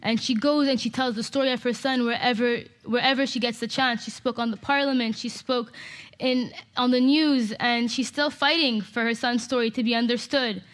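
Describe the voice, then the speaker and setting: A woman's voice: fairly high pitch, steady tone, moderate pace. A woman from Canada giving an impassioned, emphatic public talk to an audience. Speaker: speaker.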